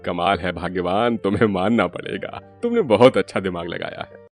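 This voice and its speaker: A man voicing an agreeable, thrifty middle-aged father-in-law in an animated story. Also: sits low, moderate pace, faint music behind, lightly acted. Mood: plain.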